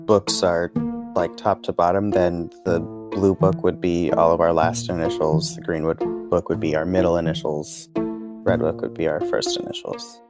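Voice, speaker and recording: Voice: low voice, little pitch movement, normal speed, loud music behind the voice. A tabletop game player chatting casually in an easygoing, joking way.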